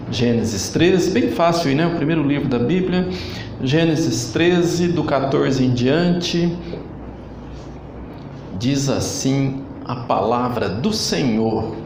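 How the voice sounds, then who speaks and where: A man's voice: fairly high pitch, roomy sound, background noise. A man from Brazil with a Brazilian Portuguese accent, preaching an online sermon as church leader and calling for answers from the congregation. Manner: slow, emphatic preaching with call-and-response. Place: church hall.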